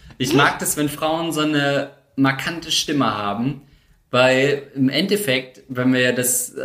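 A man at a fairly slow pace. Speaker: podcast host. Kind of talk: casual chat.

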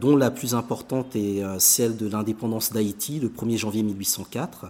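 Here a man talks in a normal speaking voice at a medium pitch. His pitch variation is ordinary. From Benin. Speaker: historian. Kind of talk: interview.

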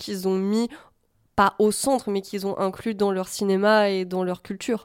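In a very clean recording with a silent background, a woman speaks at a moderate pace and a medium pitch. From France, Cannes. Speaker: film critic. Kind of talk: casual chat.

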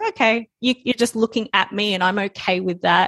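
A woman with an Australian accent speaks at a fairly high pitch and moderate pace, somewhat breathy with ordinary pitch variation, in a dry, close sound with no echo and a quiet background. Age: 30s. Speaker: memoir author, abuse survivor. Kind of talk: interview, personal testimony. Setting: remote recording.

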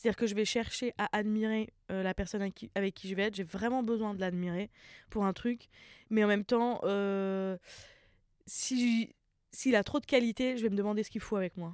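On a very clean recording with a silent background and a dry, close sound with no echo, a woman uses an ordinary speaking voice at medium pitch, with fairly even intonation and a moderate pace. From Paris. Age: 30s. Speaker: TikTok creator. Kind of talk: casual chat.

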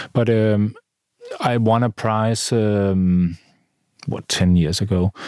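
A man's fairly low-pitched voice with a dark, mellow tone and ordinary pitch variation, in a dry, close sound with no echo. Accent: Danish. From Denmark, central Jutland. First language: Danish. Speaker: fashion designer. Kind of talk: interview. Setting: archive room. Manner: halting.

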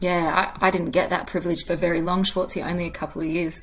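The woman speaks in an Australian accent at a fairly low pitch. Her delivery is fairly quick, with monotone, flat intonation. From Australia, Canberra. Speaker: former women's footballer and pundit. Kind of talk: casual chat.

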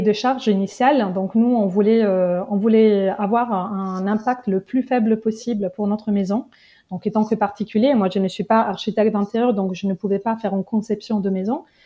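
With a slight Italian accent, a woman speaks at a moderate pace in a medium pitch and fairly even intonation. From Italy, Genoa. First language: Italian (speaking French). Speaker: homeowner and entrepreneur in material reuse. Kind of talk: interview. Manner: halting.

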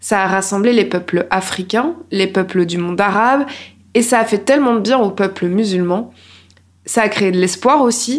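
A woman in an ordinary speaking voice at a medium pitch, moderate pace and ordinary pitch variation. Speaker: podcast host. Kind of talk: interview, casual. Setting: studio.

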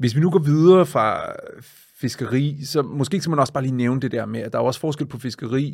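A man talks fairly quickly in a plain, everyday voice, his pitch moving with ordinary variation. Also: fairly high pitch for a man. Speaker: spearfisherman. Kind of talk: interview.

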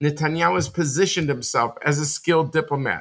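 In a plain, everyday voice with fairly high pitch, a man speaks on a very clean recording with a silent background. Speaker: podcast host. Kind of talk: podcast discussion, scripted intro then interview.

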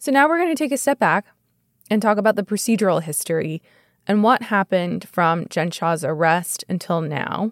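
A woman with a plain, everyday voice, medium pitch, lively intonation and moderate pace, in a very clean recording with a silent background and a dry, close sound with no echo. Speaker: attorney podcast co-host. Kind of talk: legal explainer podcast.

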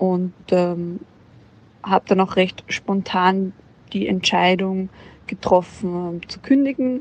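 A woman speaks very slowly at medium pitch with ordinary pitch variation. Her loudness swings widely, and she leaves long, frequent pauses. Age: 20s. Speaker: former special-needs teacher. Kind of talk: recorded personal story.

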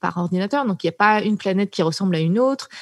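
The speaker is a woman with a medium pitch and an ordinary speaking voice. The sound is dry and close, with no echo. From France. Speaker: cognitive psychologist. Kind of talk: interview.

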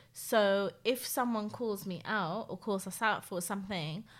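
In an unremarkable speaking voice, a woman at a medium pitch talks at a moderate pace with fairly even intonation, on a very clean recording with a silent background. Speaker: company founder and podcast guest. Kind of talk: casual reflective conversation.

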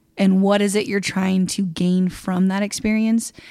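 A woman with an American accent and a normal speaking voice, medium in pitch, at a fairly slow pace with fairly even intonation. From Kansas. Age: 30s. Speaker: adventurer sharing personal growth story. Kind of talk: casual interview conversation.

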